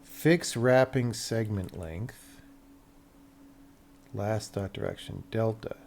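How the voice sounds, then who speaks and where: Guy coding on stream, slow n kinda croaky, mumbles bits to himself, keys clacking, bit of noise. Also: fairly low pitch, a little mellow. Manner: muttering to himself in short fragments. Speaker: game developer live-streaming. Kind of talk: casual thinking-aloud coding stream.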